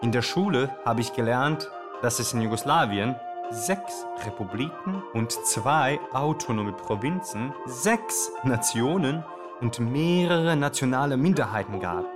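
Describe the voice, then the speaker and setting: Radio play host played by a man: bossy, excitable, mid-pitched, talking straight to listeners. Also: measured pace, music in the background, close to an everyday voice. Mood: reflective, explaining. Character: excitable, bossy male radio show host of Balkan identity. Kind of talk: scripted radio show monologue and banter.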